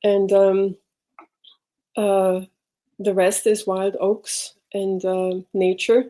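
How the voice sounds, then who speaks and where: A middle-aged woman speaks as a podcast guest, her voice warm and mellow at an ordinary pitch. She tells her story in a reflective, halting way, pausing and circling back as she hunts for the right words. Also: little pitch movement. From Switzerland. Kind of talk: personal storytelling in an interview.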